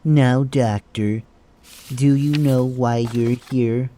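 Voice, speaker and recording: A man playing a stern, condescending hospital chief of staff in an audio drama, formal and measured. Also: mid-range voice, steady tone, dark tone, a little hiss or hum, lightly acted.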